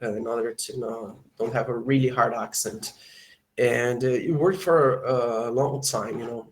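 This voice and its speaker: A Brazilian man with a Brazilian Portuguese accent, a student on a video call who hesitates and fills pauses while he hunts for words. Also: mid-range voice, fairly even intonation. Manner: hesitant, many fillers while searching for words. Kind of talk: casual conversation lesson.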